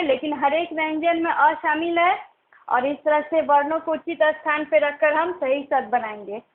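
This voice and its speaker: Teacher, woman, young adult: high, unhurried, patient, sounds out each syllable; tinny phone-like recording. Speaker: primary school teacher. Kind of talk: recorded online class lesson.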